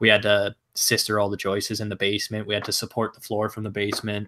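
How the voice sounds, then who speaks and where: In a Canadian accent, a bright, sharp tone races at a very fast pace with big swings in loudness against a quiet background. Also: man. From Ontario, Canada. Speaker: reseller and YouTuber; reseller, YouTuber. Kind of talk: casual chat. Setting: video call. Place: home room. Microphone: earbuds.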